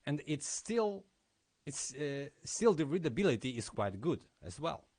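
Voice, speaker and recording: A man's voice: on the high side, big pitch swings, a little slow, a little mellow. A man speaking at a conference, giving a technical lesson with explanatory commentary on live demos.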